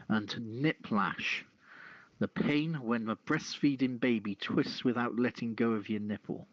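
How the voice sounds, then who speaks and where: A man presenting a casual news podcast in a hesitant, halting way, as its host. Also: mid-range voice, dry recording, dull audio.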